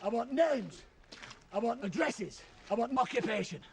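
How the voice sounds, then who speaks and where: Harsh abusive soldier, high shrill voice, swooping delivery, noisy outdoor film sound. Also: male voice, expressive, moderate pace, creaky, full character voice. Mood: barking. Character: brutal, bullying male soldier barking orders. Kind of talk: film drama acting.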